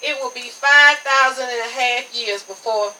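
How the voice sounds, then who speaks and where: A woman's voice: on the high side, normal speed, bright, forceful tone. A woman preacher giving an emphatic revival sermon, punctuating her phrases with amens. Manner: emphatic, repeats "Amen" as punctuation. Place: outdoor tent service at night. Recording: distant mic, noisy, insect chirps behind. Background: crickets and insects, congregation answering amen.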